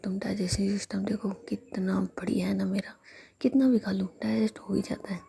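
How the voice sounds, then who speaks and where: A woman's voice: medium pitch, little pitch movement, fairly quick, creaky, warm tone, slight background noise. A woman voicing a playful young woman who loves eating, speaking in a whisper.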